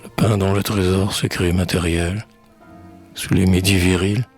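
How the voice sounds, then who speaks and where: Very deep-voiced man slowly reciting poetry. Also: level tone, a little mellow, faint music behind. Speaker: poetry reader.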